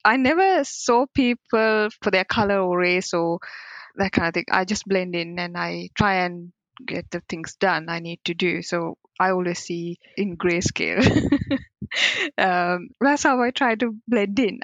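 A woman's voice: mid-range voice, unhurried, no echo, muffled recording. A woman in her forties, a cybersecurity professional, giving candid, reflective interview answers in non-native phrasing and laughing often. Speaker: cybersecurity professional, podcast guest.

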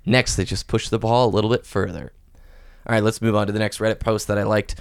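A man's voice: on the low side, steady tone, fast, gravelly, clear, resonant tone, no room sound. Chatty male gaming podcast host, dry sound. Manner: chatty, reads listener posts aloud. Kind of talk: casual gaming podcast chat.

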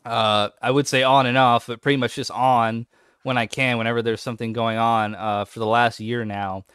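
A man's voice: mid-range voice, normal speed, smooth, no echo, studio quality. A man co-hosting a podcast in casual chat, talking with growing enthusiasm. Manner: enthusiastic, animated when excited. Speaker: podcast co-host.

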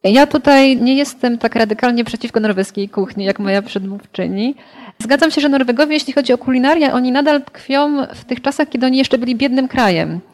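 A woman, a literary translator, giving her views in a relaxed podcast discussion. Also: high-pitched, brisk.

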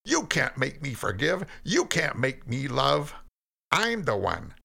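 A bitter, defiant young man who bristles with sarcasm and refuses to back down, as a storyteller puts him on. His voice rides high and swings wildly, with a gravelly edge underneath. He sounds like a sulking figure from a storybook. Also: sing-song, unhurried, pushed and bright, full character voice. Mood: defiant, furious. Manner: sarcastic, heated, insistent. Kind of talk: storybook reading.

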